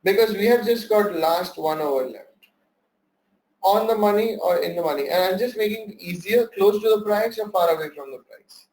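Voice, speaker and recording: A young man with a high-pitched voice teaches options trading in a live webinar. He throws questions at his viewers and circles back over key points to make them stick. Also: moderate pace, a little mellow, poor audio. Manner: asks the audience questions and repeats key points. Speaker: trading instructor. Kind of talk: live online workshop teaching.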